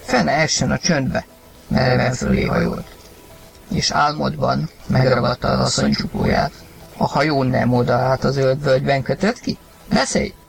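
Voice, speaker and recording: A man reading a story aloud, narrating and acting the husband's lines with sudden loud outbursts. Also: medium pitch, level tone, vocal fry, breathy edge, soft background music. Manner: acted, rising to shouts in heated lines. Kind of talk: dramatized audiobook reading.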